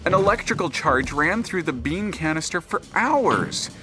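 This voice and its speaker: A man narrating an audio drama in a measured, dramatic manner as a grave storyteller of a troubled tale. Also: on the high side, expressive, music in the background, lightly acted. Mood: uneasy, insistent.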